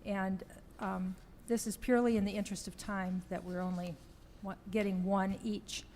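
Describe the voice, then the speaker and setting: A woman chairing a township meeting, explaining the procedure haltingly with many ums. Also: mid-range voice, little pitch movement, a little mellow, slight background noise. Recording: long hall reverb with faint ambience.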